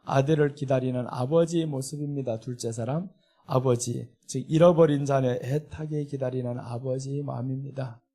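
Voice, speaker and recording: A man's voice: medium pitch, steady tone, moderate pace, dark tone. A middle-aged man preaching a sermon as a pastor, earnest and emphatic, with a Seoul Korean accent. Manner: earnest preaching, rising when voicing indignation.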